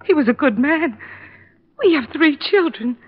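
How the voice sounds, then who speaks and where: An actress playing a grieving young widow and mother, distraught and halting, in an old radio drama. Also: high-pitched, expressive. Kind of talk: 1950s radio drama acting. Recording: tinny narrow-band old radio recording.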